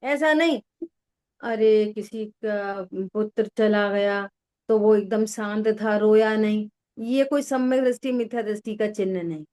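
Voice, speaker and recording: A spiritual teacher delivers a slow religious discourse in a medium-pitched, darkish voice at a measured pace. She often checks whether her listeners are following and repeats key words.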